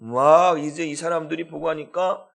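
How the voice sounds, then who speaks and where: A man's voice: on the high side, lively intonation, moderate pace, gravelly, fairly bright tone. A man who is a pastor preaching a sermon at an early-morning prayer service, animatedly quizzing the congregation and having them repeat phrases.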